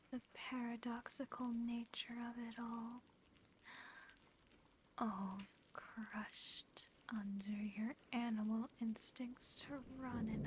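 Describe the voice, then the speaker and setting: Woman as a slow, whispering, taunting female demon. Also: on the high side, exaggerated voice, rough recording. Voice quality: breathy whisper. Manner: slow, taunting, lingering over words. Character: female sleep paralysis demon, teasing, condescending, darkly affectionate. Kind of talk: whispered ASMR roleplay. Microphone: close ASMR microphone. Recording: faint background noise and ambience.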